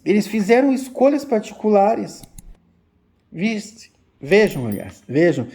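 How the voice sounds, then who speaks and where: Mellow fifty-year-old man. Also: sits high. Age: 50s. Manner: slow, repetitive, addressing listeners as "gente". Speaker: umbanda spiritual teacher and channel host. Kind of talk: religious teaching talk to viewers.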